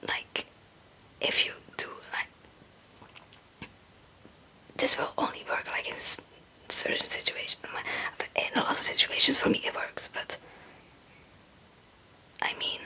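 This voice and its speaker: A woman's voice: slow, pauses often, pushed and bright, rough recording. A young woman who is a non-native English speaker whispers in a casual, rambling ASMR chat, often hesitant and self-deprecating. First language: not English. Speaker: ASMR video creator.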